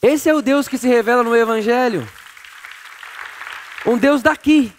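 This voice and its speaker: Male preacher, high voice, expressive sermon, loud then hushed. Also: unhurried, some chatter behind, a little hiss or hum. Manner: animated storytelling, acting out voices, swings between loud and hushed.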